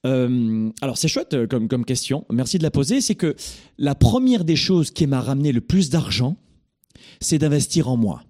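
A man's voice: medium pitch, animated, normal speed, dark tone. A middle-aged man hosting a call-in coaching show, speaking in an emphatic, preachy, directive way.

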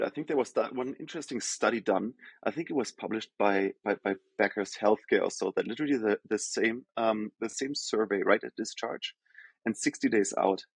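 A man from Germany with a German accent, a company founder explaining things in a measured podcast interview, often pausing with "um". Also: on the low side, breathy edge, no echo, poor audio. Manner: measured, explanatory, frequent "um" and self-corrections.

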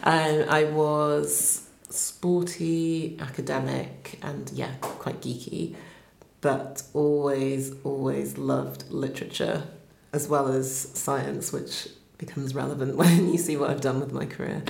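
A woman, a former psychiatrist now screenwriter, chatting in a relaxed way. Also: very deep voice, slow pace, creaky. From West Yorkshire, England. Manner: relaxed, laughs easily. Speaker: psychiatrist turned screenwriter guest. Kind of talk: casual interview chat. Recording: roomy echo.

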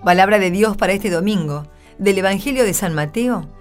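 A woman's voice: mid-range voice, normal speed. A woman presenting and reading scripture in a solemn, scripted style for radio. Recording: music behind voice.

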